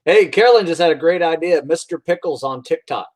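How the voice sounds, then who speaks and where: A man's voice: a little high, lively intonation, brisk. A man co-hosting a podcast in casual chat, with easygoing, teasing banter. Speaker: podcast co-host.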